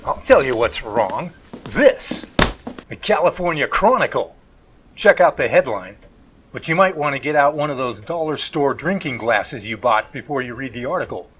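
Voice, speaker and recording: Excitable folksy guy, swinging pitch acted by a man. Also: normal speed, slight background noise, natural voice. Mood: worried. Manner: exclamatory, talks to himself in folksy slang. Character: excitable, folksy man named Jerry, indignant Bigfoot defender. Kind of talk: hobby audio drama acting.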